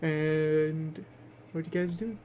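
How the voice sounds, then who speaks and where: A man acting as game master in a tabletop game, improvising narration in a halting way as he searches for words. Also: fairly high pitch, fairly even intonation, mellow. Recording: faint background noise.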